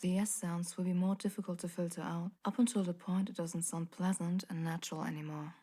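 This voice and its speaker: Deep-voiced woman, soft and husky. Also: little pitch movement, fairly quick. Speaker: audio tutorial creator. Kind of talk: calm instructional voice-over. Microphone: large-diaphragm condenser studio mic.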